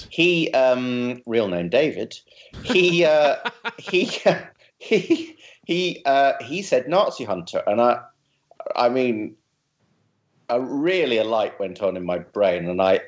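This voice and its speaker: A man's voice: mid-range voice, highs cut off. A man from London with a posh, very proper southern English accent, chatting casually and wryly on a podcast. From London, England. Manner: very proper, well-spoken. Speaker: podcast guest, writer and comic character creator. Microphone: remote video call.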